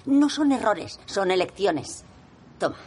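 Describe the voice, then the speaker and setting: A woman's voice: mid-range voice, expressive, measured pace, darkish tone, husky. An actress dubbing a cutting, sarcastic middle-aged mother. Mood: cold. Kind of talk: Spanish film dub.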